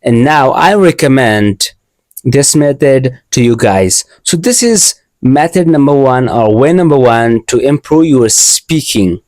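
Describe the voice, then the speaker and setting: A young Asian man, not a native English speaker, talks through his advice in an earnest, learner's English, circling back and restarting his phrases as he goes. His voice is mid-pitched and sits close to the mic in a dry, deadened space. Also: expressive, a little slow, a little mellow, no echo. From Asia. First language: an Asian language. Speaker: English teacher. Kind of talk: casual video lesson.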